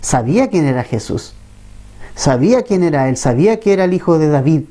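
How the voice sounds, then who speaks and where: A male pastor with a Chilean Spanish accent preaches a Bible-teaching sermon in an animated, brisk voice that's mellow and on the high side. He talks conversationally, often asking the congregation questions.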